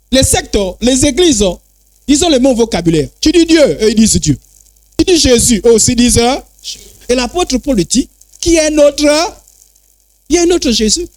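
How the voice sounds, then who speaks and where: A man preaches with emphatic repetition, his voice sitting very high and leaping around as he drives his points home. The sound is close and dry, with no room echo. He falls into a call-and-response rhythm, trading phrases back and forth. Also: darkish tone. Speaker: apostle preaching. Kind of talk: sermon.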